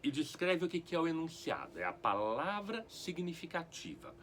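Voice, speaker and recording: A middle-aged man with a Brazilian Portuguese accent, explaining poetry in an expressive, deliberate teaching talk. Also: on the high side, a little hiss or hum. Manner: lively, expressive, slow and deliberate. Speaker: literature lecturer.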